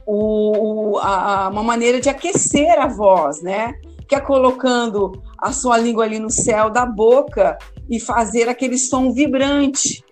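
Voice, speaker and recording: Speaking in a voice on the high side, this former radio host turned teacher from Amazonas, Brazil, replies to an interviewer. Her answers come out loose and tentative, with plenty of repeated words.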